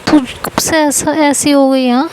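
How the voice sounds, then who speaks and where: Scolding young friend, voiced by a woman narrator, brusque and impatient, mid-high voice. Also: steady tone, measured pace, noisy background. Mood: coaxing. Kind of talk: amateur audio story reading.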